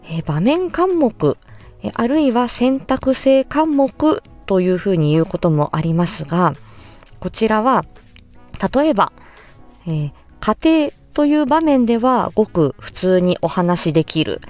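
Faint music underlies this podcast, where a speech-language-hearing therapist politely walks through a topic with measured pauses and frequent fillers. She has a mid-range, sing-song voice that's a little mellow.

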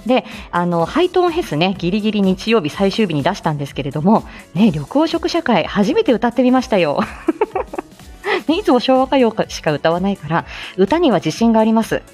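A woman's voice: mid-range voice, sing-song, fairly quick, darkish tone, soft background music. A woman hosting a live stream in a casual, chatty way, often laughing between phrases. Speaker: livestream host.

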